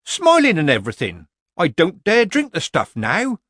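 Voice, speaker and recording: A man's voice: sits high, huge pitch swings, a bit bright, dry recording, studio quality, voice pushed up, full character voice. A man voicing a nervous, complaining male villager who stumbles over his words. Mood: anxious. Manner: anxious, flustered, halting.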